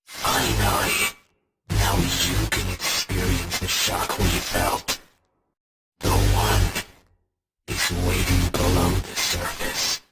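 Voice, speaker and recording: A man voicing a sadistic, taunting animatronic monster from a horror game, gravelly and deliberate in his menace. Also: deep voice, flat delivery, over loud music, exaggerated voice. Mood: menacing, taunting. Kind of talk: horror game villain voice lines.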